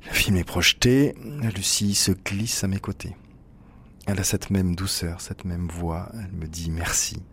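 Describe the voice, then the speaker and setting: A man reading a literary first-person text as narrator, in an intimate, measured way. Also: low-pitched, a bit bright, slight background noise.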